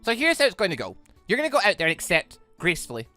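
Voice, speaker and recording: A man's voice: high voice, wildly swooping pitch, racing, pushed and bright, faint music behind, full character voice. A man voicing a brash, bossy teenage older sister from a visual novel, blunt and commanding. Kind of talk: visual novel character reading.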